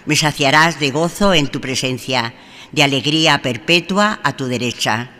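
A man's voice: mid-range voice, normal speed, bright, forceful tone. A man reading the Scripture lesson and the responsorial psalm aloud at Mass in a formal, declaiming way, in a large church. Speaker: lector. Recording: church reverb with faint ambience.

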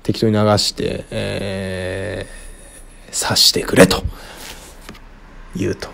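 A man answering listener questions alone in casual talk, frank and rambling with many fillers, often trailing off quietly. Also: very slow, creaky. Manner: lively, wide pitch swings. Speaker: radio-style show host answering listener questions.

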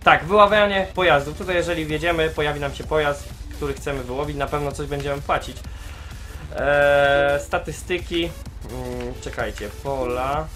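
A young man casually commenting on a farming game as he plays, chatting straight to his viewers and filling pauses with "e". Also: on the high side, fairly even intonation, a bit bright. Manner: chatty, talks straight to viewers as "mordeczki", many fillers. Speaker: gaming YouTuber. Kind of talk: casual let's-play commentary. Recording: game music faint behind voice.

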